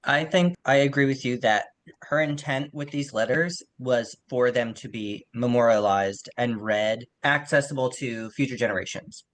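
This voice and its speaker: A man's voice: mid-range voice, moderate pace, a bit bright. A man co-hosting a podcast, casually discussing literature in a conversational, self-qualifying way, on poor audio. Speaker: podcast co-host.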